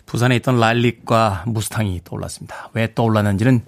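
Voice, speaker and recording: A man's voice: lowish voice, steady tone, quick pace, vocal fry. A man hosting a morning radio show in a studio, chatty and chuckling as he reads out listener texts. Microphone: studio microphone.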